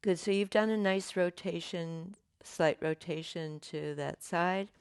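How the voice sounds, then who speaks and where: A woman teaching a yoga class, giving gentle, unhurried cues with pauses and fillers, her voice slightly croaky. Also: fairly low pitch, no echo, studio quality. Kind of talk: guided yoga class instruction.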